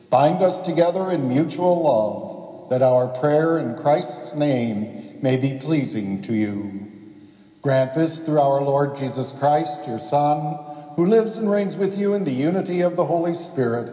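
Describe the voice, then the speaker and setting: A man talks at a fairly slow pace against a quiet background. Audible room echo surrounds his voice. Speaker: priest leading Mass. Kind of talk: liturgical prayer. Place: church. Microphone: lapel.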